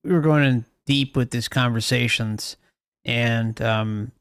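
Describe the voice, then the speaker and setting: Slow-paced, smooth-voiced male livestream host. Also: mid-range voice, no room sound, clean studio sound. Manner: earnest, questioning, rhetorical. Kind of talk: casual unscripted commentary.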